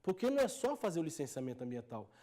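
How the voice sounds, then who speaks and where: A man's voice: a little high, sing-song, racing, warm tone. A man with a Brazilian Portuguese accent, a technical advisor giving an explanatory lecture to farmers, earnest and driving his points home with repeated phrases.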